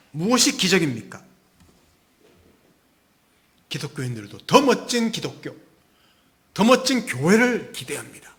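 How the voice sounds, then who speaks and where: A male pastor preaching a Sunday sermon, emphatic, full of rhetorical questions and sudden hushed asides. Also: on the high side.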